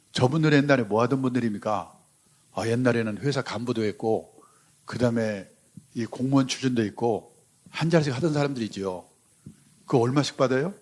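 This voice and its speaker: A man in his seventies giving a public finance lecture, telling stories in a conversational way with frequent asides. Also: mid-range voice. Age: 70s. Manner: anecdotal, conversational storytelling with asides. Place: lecture hall before a live audience.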